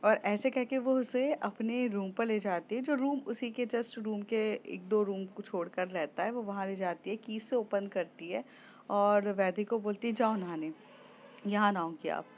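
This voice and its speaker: A woman's voice: mid-range voice, a little slow, a little mellow, a little hiss or hum. A woman telling a love story in a casual, conversational way with frequent hesitations, on a slightly muffled recording. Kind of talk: casual spoken story narration.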